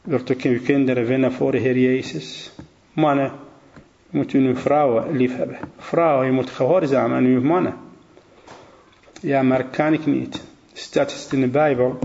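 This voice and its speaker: A man preaching a sermon with passion. He swings from low, earnest talk to high, ringing exclamations and uses simple phrasing with repeated short phrases. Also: creaky, a little mellow. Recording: dull lo-fi recording with faint noise.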